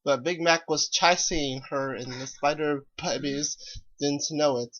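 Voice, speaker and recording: A man's voice: a little high, steady tone, unhurried, fairly bright tone, highs cut off. A man reading fan fiction aloud as a co-reader, casually joking about it as he goes.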